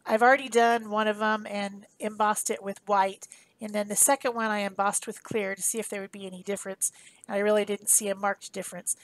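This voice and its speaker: A woman's voice: mid-range voice, flat delivery, a little fast, no echo, poor audio. A woman giving a casual, chatty voice-over for a craft demonstration, explaining informally as she goes. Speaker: craft tutorial host.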